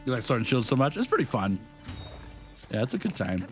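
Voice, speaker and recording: Animated, laughing male game streamer. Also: medium pitch, fairly quick, faint music behind. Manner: jokey, laughs often, reads chat aloud. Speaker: gaming streamer. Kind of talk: casual live-stream chat.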